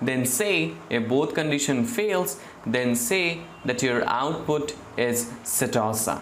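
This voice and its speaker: Speech at a very slow pace comes through over noticeable background noise. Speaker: machine learning instructor. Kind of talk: lecture. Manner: halting.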